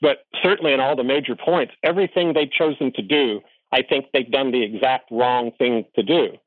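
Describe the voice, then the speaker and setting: A man's voice: mid-range voice, moderate pace. Economist guy ranting on a call, lots of uhs and restarts, sounds like a phone line, no room echo at all. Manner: emphatic, lecturing, with many fillers and restarts. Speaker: economist guest. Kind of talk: opinionated political commentary.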